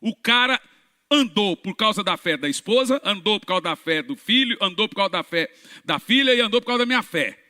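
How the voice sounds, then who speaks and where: Pastor guy preaching loud, high bright voice, big echoey church. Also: brisk. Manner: animated storytelling, shouting at peaks. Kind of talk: sermon testimony. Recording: reverberant church hall.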